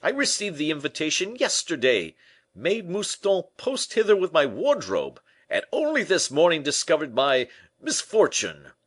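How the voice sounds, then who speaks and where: Male reader doing a loud, high, pompous nobleman for an audiobook; hot-tempered, boastful. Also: wildly swooping pitch, normal speed, exaggerated voice. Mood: indignant. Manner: pompous, indignant, loud outbursts. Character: vain blustering middle-aged nobleman, hot-tempered. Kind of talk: audiobook character voice.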